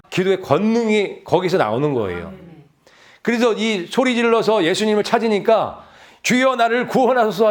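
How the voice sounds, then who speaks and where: Male pastor, sermon delivery, high voice, urges the listeners with rhetorical questions and repetition. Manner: exhorting, with rhetorical questions and repeated phrases; addresses the congregation directly.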